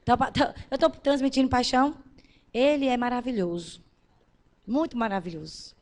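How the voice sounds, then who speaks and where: A woman pastor preaching a sermon, swinging between loud emphatic declarations and soft, intimate lines as she addresses the congregation directly. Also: on the high side, normal speed.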